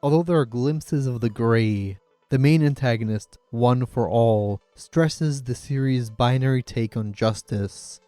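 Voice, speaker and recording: Mellow-voiced man narrating a video essay. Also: mid-range voice, a little slow, no room sound. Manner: opinionated, sarcastic, casual swearing. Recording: music playing under the voice. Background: background music.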